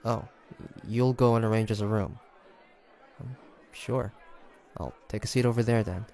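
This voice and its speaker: A man playing a hesitant, gentle young demon hunter in an intimate audio roleplay, with halting, murmured delivery. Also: fairly low pitch, a faint crowd, slight background noise. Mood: casual, playful. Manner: halting, murmured musing, stammers when flustered.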